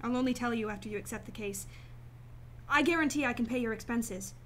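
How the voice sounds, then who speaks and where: Woman acting as a high-voiced, determined client. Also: a little fast, slight background noise, close to an everyday voice. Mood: firm. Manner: earnest, firm, formal. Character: determined, guarded female client seeking her brother's killer. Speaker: actress in a radio play. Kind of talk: sci-fi radio drama acting.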